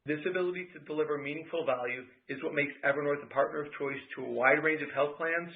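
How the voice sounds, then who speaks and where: Phone-line male executive, formal and scripted. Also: fairly high pitch. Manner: formal, measured, corporate delivery. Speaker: company executive. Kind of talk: scripted earnings call presentation. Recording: tinny phone-like conference call line.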